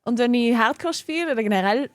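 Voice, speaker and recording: A woman's voice: on the high side, animated, quick pace, dry recording, studio quality. A young woman with a regional German dialect, chatting casually and giggling often while streaming a game from her home office. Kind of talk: casual live-stream chat while gaming.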